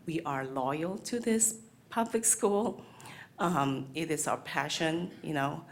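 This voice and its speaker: A woman speaks at a school board podium microphone, her voice sitting low. She is earnest and hesitant, with many ums and restarts as she makes her public comment. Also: slow. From Malaysia. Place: board meeting room.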